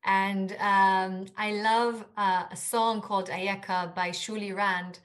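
A woman whose first language is Hebrew, speaking English as a podcast guest. She talks earnestly and thoughtfully, often restarting her sentences, at an ordinary middling pitch. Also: flat delivery, takes it slowly. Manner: earnest, reflective, with many restarts and fillers. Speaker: guest author. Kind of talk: podcast interview conversation.

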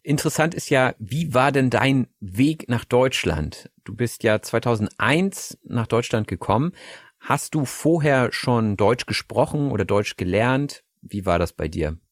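A man's voice: mid-range voice, animated, a little slow, no echo, studio quality. German man hosting a podcast interview. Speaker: podcast host. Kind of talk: interview questions.

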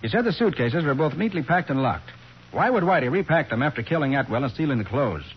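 A confident detective reasons quickly in 1940s radio style. His delivery is animated and very rough-edged, on a dull old recording. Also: medium pitch. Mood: methodical. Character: brisk, confident male private detective.

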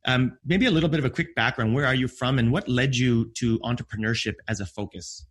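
Relaxed Canadian man hosting a podcast. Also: medium pitch, fairly quick. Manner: relaxed, many ums and uhs. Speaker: podcast host. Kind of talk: podcast interview.

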